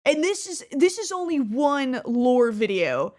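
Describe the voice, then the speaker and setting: A woman in her twenties giving casual commentary on her old gameplay footage, chatty, with frequent restarts and quick laughs. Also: high voice, big pitch swings, darkish tone. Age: 20s. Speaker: YouTuber.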